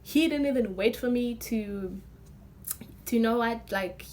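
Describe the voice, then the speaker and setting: A young woman with a hoarse, nearly lost voice, talking excitedly and rambling with many fillers in a casual vlog. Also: a little high, takes it slowly, a little hiss or hum. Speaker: vlogger.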